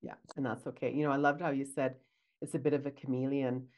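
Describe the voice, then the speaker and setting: A woman's voice: very deep voice, level tone, fast, darkish tone. A woman co-hosting a casual podcast, chatty and acting out bits of client talk. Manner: chatty, acts out client dialogue. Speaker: podcast co-host, esthetician.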